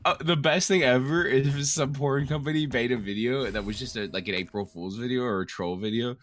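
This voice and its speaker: A man in his late twenties giving casual, joking game commentary in a crude, rambling, animated way. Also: medium pitch, a little fast. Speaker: co-host of a gaming series.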